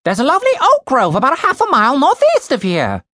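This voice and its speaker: Woman doing a squeaky polite raven. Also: measured pace, pushed and bright, no room sound, heavily acted. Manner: polite, formal. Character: prim, polite male raven familiar.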